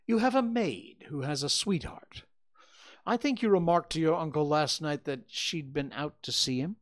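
A man reading aloud, voicing a calm, shrewd male detective who asks precise questions. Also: on the high side, moderate pace, pitched above the performer's own voice, close to an everyday voice. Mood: probing.

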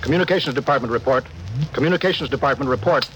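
A man's voice: mid-range voice, racing, a bit bright, slight background noise, close to an everyday voice, poor audio. An actor playing a stern, cautious male starship captain in a 1950s radio drama, giving clipped commanding orders.

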